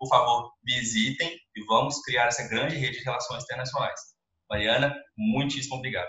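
A man speaks at a medium pitch and a moderate pace, with audible room echo over a quiet background. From Brazil. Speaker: YouTube host; channel host interviewer. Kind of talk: interview. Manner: animated. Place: home room. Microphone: video call.

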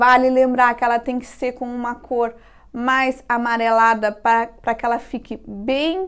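At a very slow pace, a woman with a high pitch speaks over a quiet background. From Brazil. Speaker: architect. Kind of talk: tutorial. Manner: casual, conversational with filler hesitations. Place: home room. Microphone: lapel.

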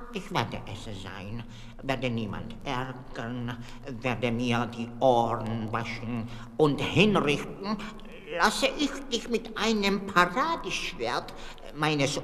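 In a pompous, cartoonish character voice pitched low-to-middle, the speaker goes at a fairly slow pace with long, frequent pauses, over clear background noise and a clear echo. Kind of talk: comic puppet theatre. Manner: pompous, petulant, bossy.

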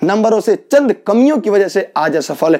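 The tone is dark and mellow as a man speaks at a fairly slow pace. The background is quiet. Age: young. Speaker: exam coaching teacher. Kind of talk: online lecture. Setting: standing while teaching. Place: classroom. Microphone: phone near.

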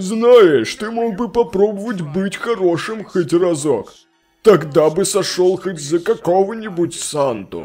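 A man performs a cartoonish character voice. His pitch is high. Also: fairly slow pace. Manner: dry, incredulous.

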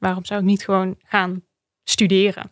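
A woman speaks in a monotone, flat intonation. The background is quiet and the sound dry with no echo. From Limburg, Netherlands. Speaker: business coach, former beauty queen. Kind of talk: casual interview chat. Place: studio. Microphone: studio mic.

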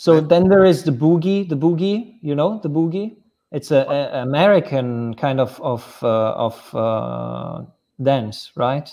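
Against a quiet background, a man talks at a fairly slow pace in a dark, mellow tone. His pitch is fairly high and his intonation lively. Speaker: board game designer; guest. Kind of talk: casual live game stream chat. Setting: online livestream. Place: home room. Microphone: video call.

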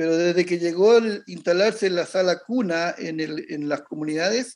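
In a Chilean accent, a man talks at a high pitch and moderate pace with ordinary pitch variation against a quiet background. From Mapuche community, southern Chile. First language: Mapudungun (speaking Spanish). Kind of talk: formal presentation to a commission. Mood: earnest, appealing. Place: home room. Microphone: earbuds.

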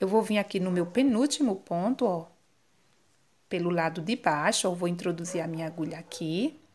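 A woman with a Brazilian accent speaks at a medium pitch with lively intonation. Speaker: crochet tutorial creator. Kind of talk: tutorial. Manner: explanatory, friendly, slow and paced.

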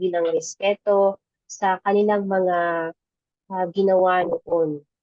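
This woman speaks at a medium pitch. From Cebu City, Philippines. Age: 30s. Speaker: interviewee. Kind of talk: interview. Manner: halting with fillers.

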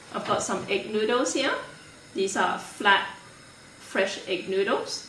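A woman talks at a fairly slow pace amid light background noise and audible room echo. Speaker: cooking show host. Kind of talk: tutorial. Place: kitchen.

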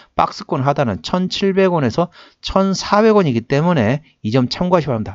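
Very wide pitch swings come through a dry, close sound with no echo against a quiet background. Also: man. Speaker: stock market analyst. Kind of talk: stock chart analysis broadcast. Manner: fast.

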